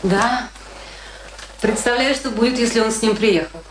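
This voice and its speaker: Actress as a bitter, proud wife, noisy recording. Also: female voice, on the high side, normal speed, lightly acted. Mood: dry, watchful. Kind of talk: Russian radio play acting. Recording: noisy old radio drama recording with clicks.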